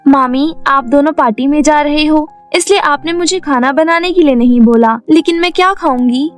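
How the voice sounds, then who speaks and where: A kind young orphan maid speaks gently and pleadingly in a cartoon story, voiced by a woman. Her voice is very high and soft. Faint music plays underneath. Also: moderate pace, natural voice.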